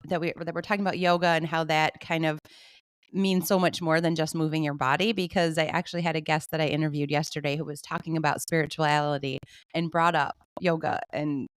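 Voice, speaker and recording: A woman's voice: deep voice, fairly even intonation, a little fast, smooth, dry recording, clean studio sound. A woman in her forties from Michigan hosting an interview podcast, upbeat and gushing, with frequent laughs. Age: 40s. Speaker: podcast host. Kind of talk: warm interview chat.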